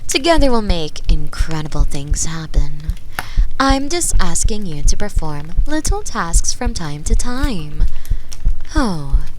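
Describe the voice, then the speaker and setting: A woman voicing a mysterious, manipulative seer who speaks softly and persuasively, slipping into whispers, in an ASMR bedtime story. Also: on the low side, slight background noise, poor audio. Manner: soft, persuasive, drifts into whispers. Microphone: binaural mic.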